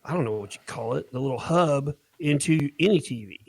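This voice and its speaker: A man's voice: mid-range voice, lively intonation, a little fast, creaky, darkish tone, breathy edge, no room sound. A man with an American accent chatting casually as a podcast co-host in a laid-back, slangy, mildly profane way. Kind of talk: casual chat.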